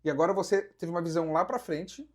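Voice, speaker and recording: Man, Brazilian Portuguese accent, husky, breathy, explanatory, podcast guest. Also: a little high, quick pace. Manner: explanatory, counts through figures, asks rhetorical questions. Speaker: guest, real estate investment advisor. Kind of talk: casual podcast conversation.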